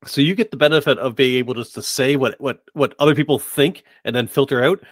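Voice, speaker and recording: A man's voice: mid-range voice, fast talker, no echo, clean studio sound. A man hosting a podcast, interviewing in a casual, conversational way. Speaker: podcast host.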